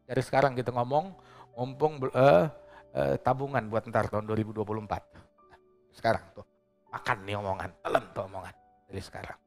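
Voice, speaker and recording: A male preacher giving a religious lecture to a congregation in a mosque, speaking emphatically and asking rhetorical questions with joking asides. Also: medium pitch. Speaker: Islamic preacher.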